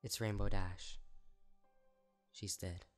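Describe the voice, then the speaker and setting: A man's voice: low-pitched, level tone, slow. Male reader as a troubled mare princess, tentative, grave, fan-fiction horror tale, music behind. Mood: sombre. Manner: tentative, sombre. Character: worried younger pony princess, sombre bearer of bad news.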